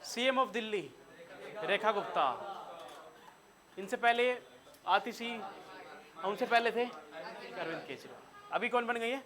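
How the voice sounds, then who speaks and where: A man's voice: sits high, slow pace, long pauses, crowd noise. A man with a Hindi accent teaching a classroom current-affairs lesson, quizzing his students and telling them what to write down. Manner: quizzes students and has them take notes. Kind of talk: classroom lecture.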